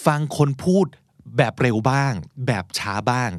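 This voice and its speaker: A Thai man hosting a podcast, teaching English in a chatty, encouraging way with slow explanations. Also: medium pitch, dry recording, studio quality. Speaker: podcast host. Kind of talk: casual English lesson.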